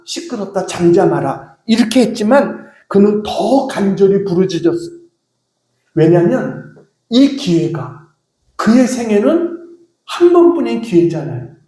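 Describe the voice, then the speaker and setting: Male pastor, high mellow voice, earnest sermon in an echoey church hall. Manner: earnest preaching, quoting cries with rising emphasis.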